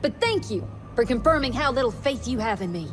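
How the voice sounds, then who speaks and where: An actress playing a proud, stern doctor in command in a video game, formal and cutting. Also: female voice, a little high, animated, a little fast, lightly acted. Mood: offended, stern. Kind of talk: video game cutscene acting. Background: music.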